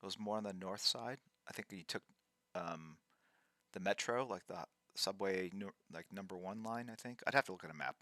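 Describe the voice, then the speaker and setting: A man in his fifties hosting a livestream, chatting casually while drawing and reading out viewer names in a halting, thinking-aloud way. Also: low-pitched, bright, forceful tone, no room sound. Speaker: livestream host.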